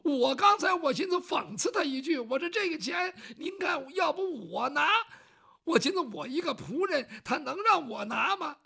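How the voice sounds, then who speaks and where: A storyteller voicing an easily upset young male servant who complains loudly and exclaims. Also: high voice, sing-song, normal speed, creaky, pitched above the performer's own voice, full character voice. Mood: indignant. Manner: complaining, exclaiming, loud and agitated.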